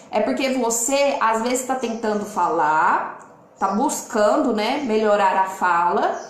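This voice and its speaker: A Brazilian woman speaking from home on a live stream, lively and expressive, changing her loudness and tone on purpose as she reads out viewers' comments. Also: high voice, echoey room. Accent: Brazilian Portuguese. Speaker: lawyer and online mentor hosting a live.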